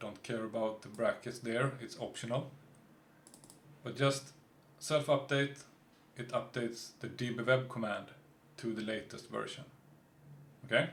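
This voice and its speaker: Pausing long and often, a somewhat breathy man speaks fairly slowly at medium pitch, his intonation fairly even and his loudness swinging widely. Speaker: teacher. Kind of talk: tutorial.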